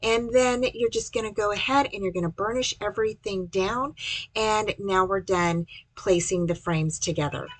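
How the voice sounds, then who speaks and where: A woman's voice: medium pitch, normal speed, no room sound, low-quality recording. A woman giving casual, chatty step-by-step instructions in a folksy way, as the host of a craft tutorial.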